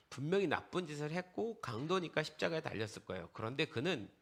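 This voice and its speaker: A man preaching a sermon in a lively, conversational way. He keeps asking the congregation questions and answering them himself. His pitch swings widely, and his voice is bright and forceful. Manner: conversational, mixes casual and polite speech. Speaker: pastor.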